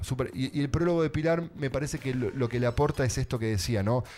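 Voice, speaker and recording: Talking at a very fast pace, a man uses lively intonation at a medium pitch, with vocal fry. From Argentina. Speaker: executive coach and author. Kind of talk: casual interview.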